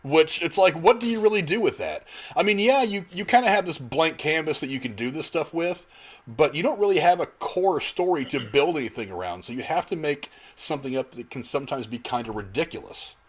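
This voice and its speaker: A man's voice: fairly high pitch, lively intonation, fairly quick, slightly rough. Man moderating a casual panel chat. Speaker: podcast host moderating a discussion.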